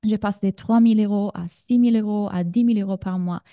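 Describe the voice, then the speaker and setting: A woman in her thirties from Sardinia speaks French with an Italian accent as she runs a live business masterclass. Her voice is soft and warm, and the recording is dry, with no room sound. She talks in a chatty way and speaks straight to her listeners. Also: medium pitch, fairly even intonation, brisk, no echo. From Sardinia, Italy. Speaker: business coach.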